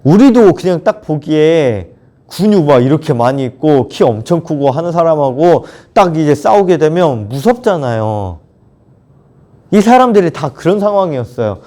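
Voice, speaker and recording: Lively young man preaching to kids. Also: fairly high pitch, normal speed. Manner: animated, acting out characters' lines for kids. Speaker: children's ministry pastor. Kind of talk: children's sermon storytelling. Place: church, recorded alone. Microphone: camera mic, unmasked solo recording.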